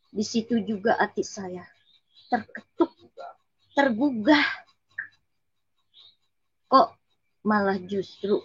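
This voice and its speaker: Woman, Betawi accent, earnest testimony, husky voice, dry dull lo-fi sound. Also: mid-range voice, no echo. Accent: Betawi Indonesian. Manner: earnest, addresses the listener respectfully as sir. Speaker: testimony giver. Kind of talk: emotional personal testimony.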